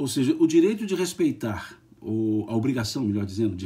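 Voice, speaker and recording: A somewhat breathy man's voice with very wide pitch swings. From Minas Gerais, Brazil (São Gotardo); Minas Gerais, Brazil. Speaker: spiritist study leader. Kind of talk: lecture. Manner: frequent filler 'né'. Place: home room. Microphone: webcam.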